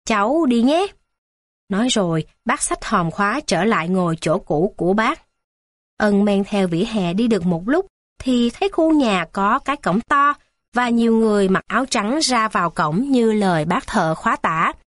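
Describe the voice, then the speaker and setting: A woman narrating a children's story in a steady, expressive reading voice. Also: mid-range voice, normal speed, no echo, studio quality.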